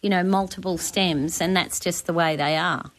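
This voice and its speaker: A woman's voice: on the low side, steady tone, moderate pace. An Australian woman on talkback radio, giving practical advice in a chatty, colloquial way as the resident expert. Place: radio studio.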